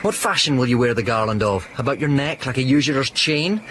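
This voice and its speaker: An actor playing a witty, mocking young soldier in a Shakespeare radio play, talking in an animated, theatrical way. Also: male voice, mid-range voice, a little fast, slight background noise, close to an everyday voice. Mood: teasing.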